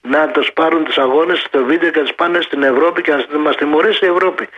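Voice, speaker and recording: A man's voice: a little high, fairly even intonation, slightly rough. A man calling a sports radio show, ranting heatedly and repeating his points. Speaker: caller. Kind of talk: casual call-in chat. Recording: muffled phone line.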